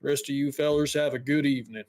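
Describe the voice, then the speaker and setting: A man's voice: medium pitch, fairly even intonation, fast, a little mellow, natural voice. A man voicing a bitter working-class male woodcutter who grumbles coarsely about the city's rulers. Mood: grumbling.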